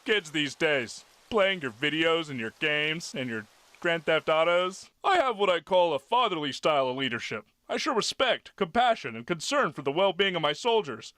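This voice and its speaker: A man's voice: a little high, very animated, normal speed, bright, forceful tone, no echo. A man playing a stern, preachy old-timer drill sergeant in a comedy cartoon, commanding and old-fashioned. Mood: scolding. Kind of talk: animated comedy military bark.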